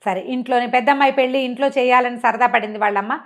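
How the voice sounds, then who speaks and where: Expressive woman storyteller with a higher-pitched voice. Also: fast talker. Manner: expressive, acts out characters' dialogue; mixes in English words. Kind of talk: conversational retelling of a novel's story.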